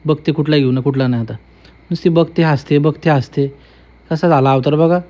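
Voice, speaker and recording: A man's voice: on the high side, fairly even intonation, brisk, dark tone. A young man, giving casual, teasing running commentary in a vlog. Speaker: vlogger. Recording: dull lo-fi phone audio.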